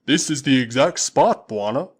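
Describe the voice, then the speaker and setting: A man's voice: mid-range voice, animated, moderate pace, natural voice. A male audiobook reader voicing a proud, loyal tribal warrior who speaks emphatically and respectfully to his master. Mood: puzzled. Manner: emphatic, earnest, deferential. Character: proud loyal African tribesman, warrior servant.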